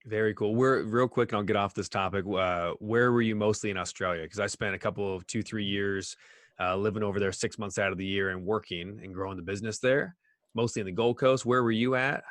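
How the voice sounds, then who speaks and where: A man hosting a business podcast, energetic and friendly, talking with plenty of fillers. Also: fairly low pitch, brisk, no echo. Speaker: podcast host. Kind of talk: casual interview hosting.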